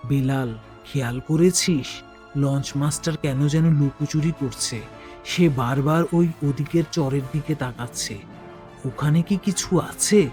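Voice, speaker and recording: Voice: medium pitch, measured pace, darkish tone, close to an everyday voice. An actor voicing an uneasy, watchful twelve-year-old schoolboy in a cartoon, speaking with apprehension. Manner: worried, apprehensive. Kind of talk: cartoon dubbing. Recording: music bed behind voice.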